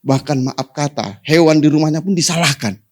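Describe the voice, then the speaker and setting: A pastor preaching to his congregation, often calling for amen, rising to sudden high emphatic peaks and dropping to soft endings. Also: lively intonation, fairly quick. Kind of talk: sermon.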